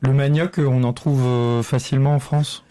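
A man hosting a community radio show, asking a guest questions in a relaxed way with fillers. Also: mid-range voice, moderate pace, no echo. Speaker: radio host. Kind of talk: radio interview, casual.

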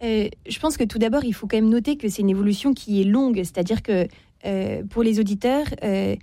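A woman's voice: mid-range voice, brisk, warm tone, no room sound. Woman explaining on a radio debate. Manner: explanatory, with frequent fillers. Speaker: guest philosophy professor.

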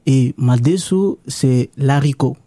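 A man's voice: mid-range voice, slow pace, warm tone, no echo. A man from DR Congo, a Lingala speaker, speaking hesitantly with many fillers as a guest on a radio show. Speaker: guest, farm newcomer. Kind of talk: radio interview.

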